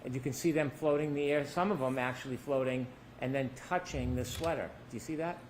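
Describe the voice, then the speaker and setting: A man's voice: medium pitch, fast talker, slight background noise, low-quality recording. A man working as a defense attorney, cross-examining a witness with pointed leading questions that end in tags, heard in a courtroom recording.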